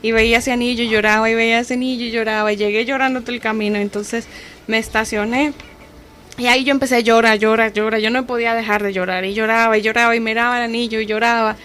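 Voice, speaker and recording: A woman's voice: fairly high pitch, flat delivery, quick pace, fairly bright tone, slight background noise. A young woman with a Dominican accent giving a personal faith testimony as a radio guest, telling her story earnestly and acting out the dialogue she quotes.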